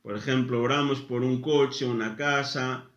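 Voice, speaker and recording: Slow, deliberate preacher in an echoey room. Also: male voice, mid-range voice, steady tone, fairly bright tone, muffled recording. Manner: slow, deliberate, pausing after short phrases. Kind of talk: sermon teaching.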